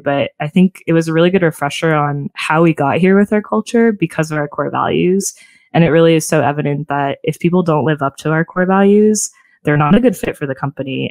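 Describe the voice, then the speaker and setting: A woman with a notably low voice, recorded dry and close with little room sound. She explains things in a friendly, steady way in a casual interview. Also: dry recording. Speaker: podcast co-host and marketer.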